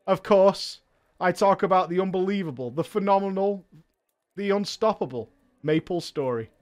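High-pitched guy streaming, loud and hyped, swears a lot, rambles off on tangents. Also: lively intonation, normal speed. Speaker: streamer and show host. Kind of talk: livestream commentary reading viewer letters.

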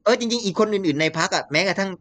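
A man talking politics in a casual chat, animated and laughing often. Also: sits high, racing, dry recording. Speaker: political commentator.

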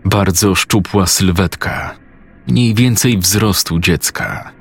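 Deep slow husky male horror narrator.

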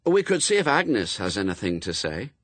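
A man's voice: lowish voice, very animated, normal speed, a bit bright, no room sound. A man voicing a clever, sweetly teasing woman in a storybook, with a precise, breezy, matter-of-fact manner. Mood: brisk, confident.

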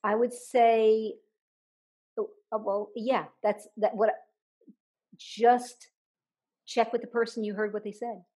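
Animated woman telling stories, slightly high voice. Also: takes it slowly, pauses often, breathy edge. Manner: animated, laughs while telling anecdotes; repeats words when thinking aloud. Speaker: author and guest. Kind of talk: storytelling interview talk.

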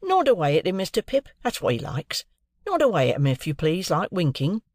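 A man voicing a cheerful, proud middle-aged male clerk, talking brisk and earnest in a raised voice. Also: sits high, huge pitch swings, a little mellow, no echo, studio quality, pitched above the performer's own voice, exaggerated voice.

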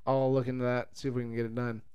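Mellow-voiced man hosting a casual podcast. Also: medium pitch, little pitch movement, quick pace, clean tone, dull audio. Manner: rambling, playful. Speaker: podcast co-host.

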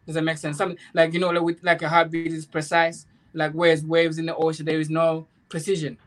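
A man's voice: a little high, monotone, fast, fairly bright tone. A man in an informal spiritual discussion, explaining earnestly in a rambling way, repeating phrases and checking that he is understood. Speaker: guest, author.

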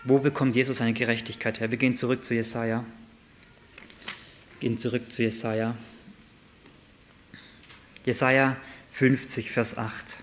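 This medium-pitched male preacher speaks at a moderate pace with long pauses, reading Scripture and asking animated rhetorical questions while moving between loud and soft passages. Slight background noise is present.

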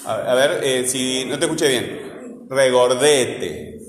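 A male teacher, patiently drilling a class and repeating phrases slowly. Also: medium pitch, slight background noise. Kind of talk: classroom lesson. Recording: echoey classroom with long reverb.

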